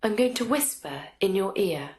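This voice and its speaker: A woman's voice: mid-range voice, lively intonation, moderate pace, darkish tone. A woman acting as a clinician, giving polite, simple step-by-step instructions to a patient. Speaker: clinician demonstrating an examination. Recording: echoey room.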